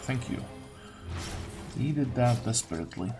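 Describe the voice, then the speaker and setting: A man's voice: medium pitch, animated, unhurried, music in the background. A man giving casual video game commentary, grumbling and thinking aloud as he plays. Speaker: gaming video host.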